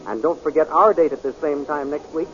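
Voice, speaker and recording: A man's voice: on the high side, fairly quick, fairly bright tone. A man giving dramatic scripted narration as a 1930s radio announcer. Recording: muffled 1930s radio recording. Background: music.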